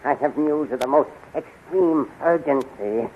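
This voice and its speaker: An actor playing an obsequious, secretly resentful court magician in formal 1930s radio style. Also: male voice, on the high side, lightly acted. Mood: urgent. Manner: formal, servile, deliberate. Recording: tinny, crackly 1930s radio recording.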